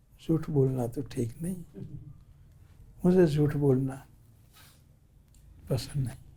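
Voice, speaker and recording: Fairly high-pitched yet dark and mellow in tone, a somewhat breathy man speaks with ordinary pitch variation and long, frequent pauses. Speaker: spiritual teacher / guru narrating personal experience. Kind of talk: spiritual discourse, personal anecdote told to audience. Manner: gentle, sweet, soft-spoken.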